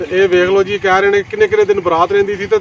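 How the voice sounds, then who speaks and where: A man's high voice, with fairly even intonation, carries through noticeable background noise. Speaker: travel vlogger. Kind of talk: casual talk to camera.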